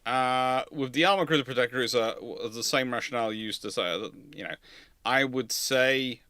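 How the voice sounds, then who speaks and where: A man hosting a live question-and-answer chat, halting and repeating words as he reads and answers. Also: mid-range voice, bright, forceful tone, smooth. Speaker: host answering viewer questions. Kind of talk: live Q&A chat on naval history.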